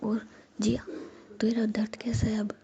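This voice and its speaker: A woman's voice: mid-range voice, monotone, unhurried, dark tone, natural voice. A woman voicing a cheeky, teasing young female friend in a whisper. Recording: dull lo-fi with faint hiss.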